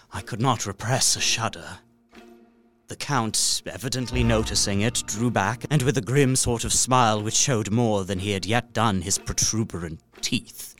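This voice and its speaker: A man's voice: on the low side, a bit bright. An actor playing an earnest young solicitor, narrating his journey formally in a dramatised Gothic story. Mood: wary, observant. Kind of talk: dramatic first-person literary narration.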